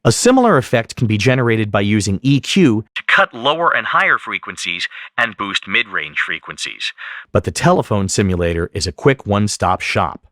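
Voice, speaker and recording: Low-pitched, lively male tutorial narrator. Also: moderate pace, no room sound, studio quality. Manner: precise, explanatory. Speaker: software tutorial instructor.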